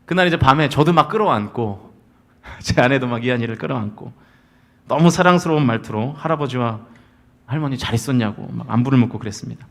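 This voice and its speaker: A man in his forties preaching a Sunday sermon as senior pastor in a church sanctuary, swinging between loud emphatic calls and soft storytelling. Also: mid-range voice, expressive, brisk, gravelly.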